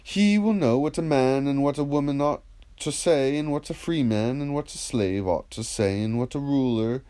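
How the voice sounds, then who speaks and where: A man's voice: medium pitch, moderate pace, mellow, smooth, natural voice. A man reading the part of a vain but agreeable reciter of epic poetry in a dramatised dialogue, answering with deference and assurance. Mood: agreeable, self-assured.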